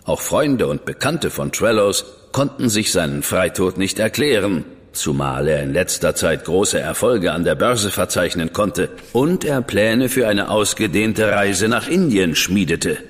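A male actor in a German radio drama plays a cool, reserved investigator, brother of a famous detective, delivering lines in a measured, dry, withholding way. His voice sits low yet animated, with long reverb and music behind.

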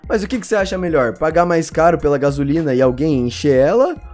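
Young man from Brazil, high-pitched, crude and sarcastic reaction host, close-miked. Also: lively intonation, fast talker, a little mellow, faint music behind. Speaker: YouTuber reacting to clips. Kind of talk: casual reaction commentary. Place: small room at home. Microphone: boom mic close to mouth.

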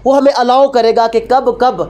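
At normal speed, a woman with a Pakistani accent lectures a law class in a dark voice that sits on the high side with little pitch movement. Her approach is didactic: rhetorical questions she answers herself, with Urdu mixed into English legal phrases.

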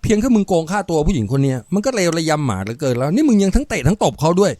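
A man voicing a tough, righteous hero in a story, giving deliberate commands. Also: a little high, very animated, dark tone. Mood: indignant.

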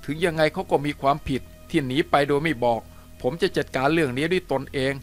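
A man voicing a calm, kindly male headmaster who speaks in a measured, gentle, formal way. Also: on the high side, soft background music, natural voice.

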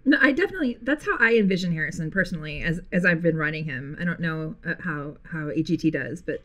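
A woman writer giving casual commentary, animated and musing as she talks. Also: deep voice, fast.

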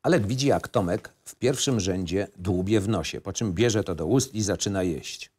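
A man with a fairly low voice narrates a film script. He reads out scenes and stage directions as the narrator of an audio play. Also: moderate pace, a little mellow, slightly rough.

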